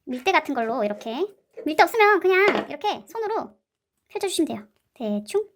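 A woman's voice: sits high, very animated, a little fast. A woman hosting a craft tutorial, chatting playfully and adding cute sound words as she works. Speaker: slime and clay craft channel host. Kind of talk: casual craft tutorial narration.

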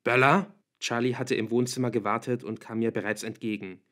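A man's voice: medium pitch, fairly even intonation, fairly quick. Man reading an audiobook evenly. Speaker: audiobook reader. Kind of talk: audiobook narration.

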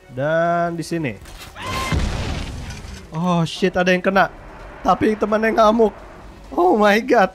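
A young man from Indonesia, giving excitable, slangy gameplay commentary. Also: sits high. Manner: excitable, slangy, swears in English often. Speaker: gaming YouTuber.

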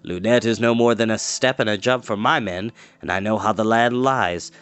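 A man's voice: fairly low pitch, moderate pace, fairly bright tone, clean tone, close to an everyday voice. A man voicing a menacing, falsely hospitable mercenary leader in a storybook reading, boastful and grim. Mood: grim boasting. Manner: grim, mock-courteous, boastful.

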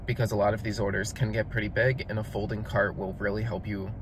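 A man's voice: on the low side, level tone, quick pace, background noise. A man narrating a voice-over review of a delivery gig, explaining things step by step in a matter-of-fact way. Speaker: delivery driver vlogger.

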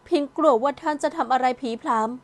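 A woman's voice: high voice, fast, close to an everyday voice. A woman doing a remorseful, tearful young daughter. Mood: pleading. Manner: pleading and apologetic.

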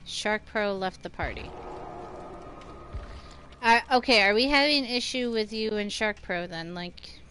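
A woman's voice: medium pitch, unhurried, long pauses, bright, forceful tone, soft background music. A woman live-streaming a game, chatting easily with viewers and thanking them by name. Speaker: livestream gamer. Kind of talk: casual live-stream chat.

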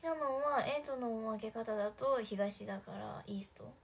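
A woman's voice: fairly high pitch, moderate pace, vocal fry, a little hiss or hum. A young woman chatting casually on a livestream, giggling often and talking to viewers' comments. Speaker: idol livestream host.

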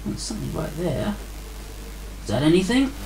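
A man's voice: on the high side, very animated, moderate pace, gravelly. Grumpy, dry-humored man narrating his workbench tinkering; a faint hiss underneath. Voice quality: grumpy, sarcastic. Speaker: hobbyist radio builder. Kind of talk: casual demo narration. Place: indoor workbench.

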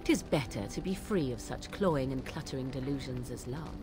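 A woman's voice: rumbling low, moderate pace, music in the background. An actress playing a cynical, aloof young witch in a fantasy video game, with arch, archaic diction. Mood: disdainful.

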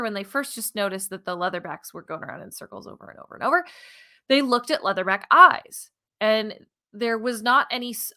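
Bright-voiced American woman explaining science. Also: medium pitch. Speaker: science podcast co-host. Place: living room at home, indoors. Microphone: headset on a video call.

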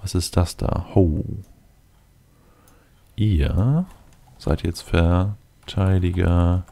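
Very deep, creaky man commentating. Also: fairly even intonation, very slow, mellow. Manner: muttering to himself, addressing game units directly. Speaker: let's player commenting on his game. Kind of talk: casual gameplay commentary, thinking aloud.

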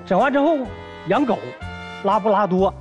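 A high-pitched man tells his complaints in a colloquial, animated way. His voice swings widely in pitch. Soft music runs underneath. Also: moderate pace. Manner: colloquial northeastern speech, lively complaining. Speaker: guest husband.

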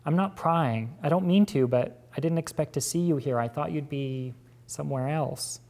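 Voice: mid-range voice, normal speed, vocal fry, a little mellow, lightly acted. A reader voicing a young man returned home, speaking formally and hesitantly.

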